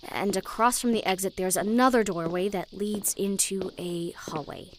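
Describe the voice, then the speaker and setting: An actress in a sci-fi audio drama plays an intense, sweary, perfectionist young woman who is a protective older sister. Her voice is mid-range with fairly even intonation at a normal speed, lightly acted over a little hiss or hum, as she mutters to herself in a tense, focused, self-critical way.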